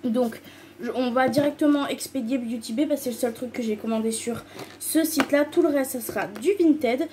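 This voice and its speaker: A woman's voice: sits high, normal speed, background noise. A woman beauty vlogger chatting casually to the camera, gushing and rambling with lots of repeated "very very" intensifiers. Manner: enthusiastic, piles up repeated intensifiers; loose and rambling, many fillers. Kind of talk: casual chatty haul video.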